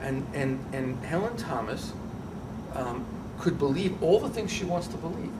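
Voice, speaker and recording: A middle-aged man talks with lively, swinging pitch and emphatic peaks, restarting phrases as he goes. His voice sits slightly high and sounds a little distant. A clear hiss of background noise runs underneath. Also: measured pace. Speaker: guest rabbi. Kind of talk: casual interview talk.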